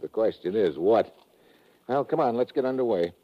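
An American actor playing a tough, wry secret agent posing as a ship's captain in a 1950s radio adventure, with a clipped, sardonic delivery. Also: male voice, lowish voice, expressive, moderate pace, natural voice. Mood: wry, brisk. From United States. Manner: clipped, sardonic, hard-boiled. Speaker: lead actor in a radio drama. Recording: dull, noisy old radio recording.

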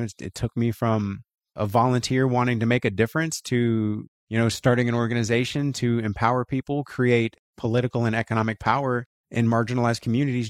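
A man's voice: mid-range voice, no echo, clean studio sound. A man from Florida, a podcast guest, telling his life story casually, peppering it with "you know" and "right?". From Florida, USA. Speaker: guest, co-founder of a voting rights group.

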